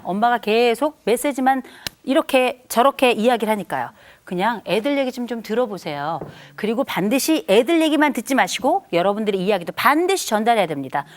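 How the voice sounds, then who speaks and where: A middle-aged woman giving a lively lecture on family life, chatty and animated, slowing down to stress her key sayings. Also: a little high. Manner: animated, acts out quoted speech, chatty asides; slows down for key maxims.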